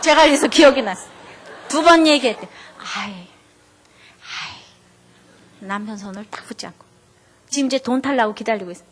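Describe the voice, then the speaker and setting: A middle-aged woman pastor preaching a sermon, telling a story and acting out the voices of the people in it. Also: on the high side.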